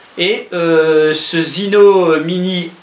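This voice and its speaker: There is audible room echo on this clip. The speaker is a man. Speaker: drone reviewer. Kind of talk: product review commentary. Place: home room.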